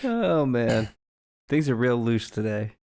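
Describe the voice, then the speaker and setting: A mid-pitched man chats as co-host on a casual podcast. He sounds laid-back and goes along easily with the others. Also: very animated, slow, gravelly, darkish tone. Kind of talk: casual chat.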